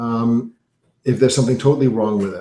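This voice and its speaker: A man's dark, mellow tone with a German accent and fairly even intonation. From Germany. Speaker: real estate company founder presenting a webinar. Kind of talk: webinar tutorial. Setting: online video hangout.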